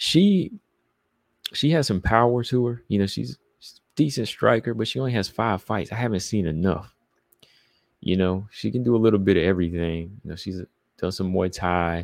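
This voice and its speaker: A man with a Southern US accent speaks at a moderate pace in a fairly low pitch. His intonation is lively, with long, frequent pauses. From US Southeast. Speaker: MMA commentator, podcast host. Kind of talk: casual live-streamed talk show. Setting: live stream, online video. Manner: casual, rambling, conversational.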